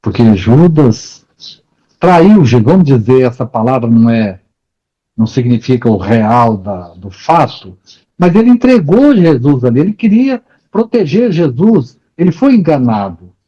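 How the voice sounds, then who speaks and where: A man's voice: mid-range voice, sing-song, unhurried, husky, muffled recording. A man giving a sermon-like talk, retelling stories and posing rhetorical questions. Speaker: spiritist speaker.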